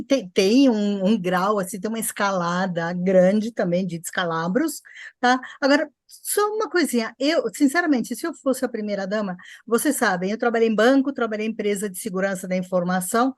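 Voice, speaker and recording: A woman's voice: medium pitch, no room sound, clean studio sound. A woman panelist in casual talk, speaking emphatically with ironic asides. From Brazil.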